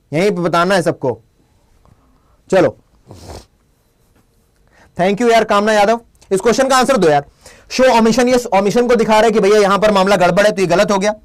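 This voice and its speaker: A young man with a Hindi accent teaching a live online English class, playful and scolding his chat commenters. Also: high voice. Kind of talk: live class with quiz questions.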